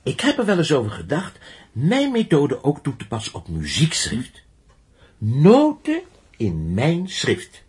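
Fervent young idealist, widely swinging pitch. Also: male voice, wildly swooping pitch, a little slow, darkish tone. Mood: earnest, wistful. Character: earnest young blind inventor-teacher, stubborn, idealistic, lonely. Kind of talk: Dutch radio play acting.

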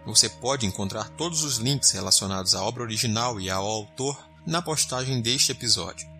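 A man's voice: on the low side, sharp tone. A man with a Brazilian accent narrating scripted credits as the host of an audio fiction show. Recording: music behind the voice.

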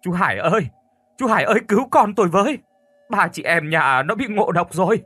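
A man's voice: high-pitched, expressive, fairly quick, pushed and bright, breathy edge, faint music behind, voice pushed up, exaggerated voice. A man doing a panicked grieving villager. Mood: panicked pleading. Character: distraught poor male villager grieving.

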